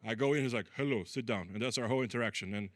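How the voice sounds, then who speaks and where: A man's voice: medium pitch, racing, dry recording. Brazilian-born man doing dry stand-up. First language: Portuguese. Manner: deadpan, crude punchlines with frequent fillers. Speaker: stand-up comedian. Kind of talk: stand-up comedy set. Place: comedy club stage.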